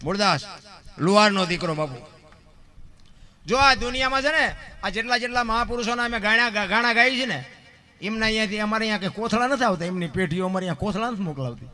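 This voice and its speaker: Bright, high Kathiawadi storyteller. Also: male voice, fast talker. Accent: Kathiawadi Gujarati. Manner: swings from loud declaimed lines to low confiding talk. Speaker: dayro storyteller. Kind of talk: folk storytelling with sung verses. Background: musical instruments.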